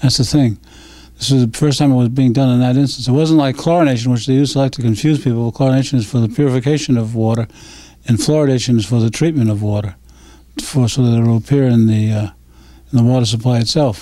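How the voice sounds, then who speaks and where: A man with a dark, mellow tone and medium pitch talks at a very fast pace with fairly even intonation. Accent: New England. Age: 70s. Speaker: activist. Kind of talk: interview testimony. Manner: halting.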